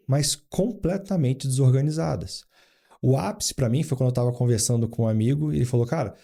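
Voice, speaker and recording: A man's voice: mid-range voice, mellow. A man in his forties from Rio de Janeiro, a guest on an interview, telling business stories full of anecdotes and quoted dialogue. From Rio de Janeiro, Brazil. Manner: storytelling with anecdotes and acted-out quotes. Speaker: guest, board adviser and founder. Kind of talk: casual interview.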